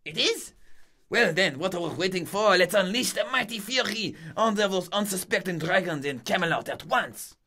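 A man's voice: high voice, animated, moderate pace, pushed and bright, heavily acted. A man voicing a commanding, theatrical villain in a grandiose, dramatic manner. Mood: gleefully menacing.

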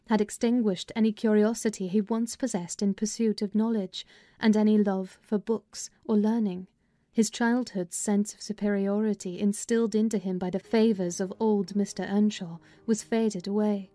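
A woman playing a plain-spoken housekeeper, recounting family history in a measured dramatized literary reading. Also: mid-range voice, dark tone, dry recording, natural voice. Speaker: audiobook narrator. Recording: music bed behind voice.

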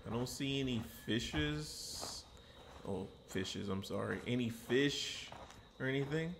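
A medium-voiced man narrates as he walks through dry woods and brush. He talks in a chatty, rambling way and corrects himself as he goes. Outdoor noise and rustling from the walk are clearly heard behind him. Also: medium pitch, slow. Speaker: travel vlogger host. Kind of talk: casual walking-tour commentary.

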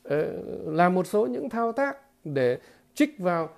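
Gravelly man giving halting political commentary. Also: high voice, sing-song, a little mellow. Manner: halting, with many repeated fillers; emphatic, with blunt crude imagery. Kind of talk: political commentary monologue to viewers.

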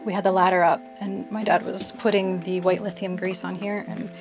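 A young woman in an easygoing, self-mocking vlog voice, laughing at her own clumsy repair work. She talks close into a small clip-on mic. Her pitch sits in the middle, and music plays clearly behind her. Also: flat delivery, fairly quick. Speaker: vlogger. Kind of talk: casual DIY vlog. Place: outdoors in a yard and inside a camper. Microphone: clip-on mic held to the mouth.

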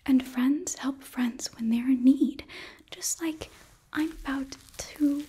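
A young woman playing a sweet, earnest hotel hostess from Hell in a whispered ASMR roleplay, gently coaxing and a little hesitant, close to the microphone. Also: high voice, slow pace, slight background noise. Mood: cheerful, earnest. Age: young adult. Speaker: ASMR performer.

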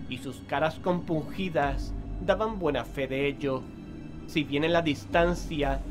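A man's voice: a little high, close to an everyday voice. An actor playing a resolute, solemn male investigator who leads and narrates in a horror audio drama.

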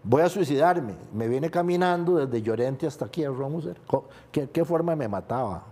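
Older Costa Rican male interviewee, mellow low timbre, candid confessional storytelling with rueful laughs. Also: lively intonation, normal speed. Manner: confessional, laughs through painful memories. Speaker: guest, sports journalist.

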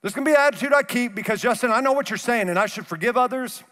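High-voiced pastor preaching in a hall. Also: male voice, racing. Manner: animated, gestures widely while pacing the stage; drops to a soft, low voice for emphasis. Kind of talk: sermon. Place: large church auditorium stage. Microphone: headset mic. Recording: reverberant hall, faint music.

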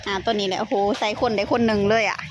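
A woman's voice: mid-range voice, steady tone, very fast. A woman with an Isan accent chatting casually to viewers as she shops, exclaiming and repeating her phrases. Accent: Isan (northeastern Thai). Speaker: shopping vlogger addressing viewers. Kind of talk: casual live vlog chat while shopping at a market. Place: busy market. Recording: noisy market ambience.

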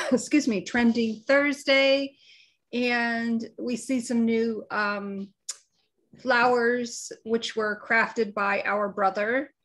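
A woman's voice: fairly high pitch, fairly even intonation, extremely slow, a bit bright. A middle-aged woman co-hosting a live podcast from her home office, chatting unhurriedly with fillers and small coughs. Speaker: podcast co-host. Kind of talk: casual live podcast chat. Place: home office, video call.

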